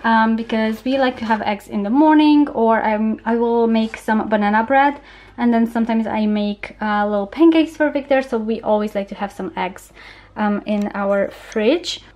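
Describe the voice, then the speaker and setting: In a home kitchen, a young adult vlogger speaks chattily and informally to a handheld camera, punctuating remarks with small laughs. She sounds a little high and darkish in tone, at a moderate pace.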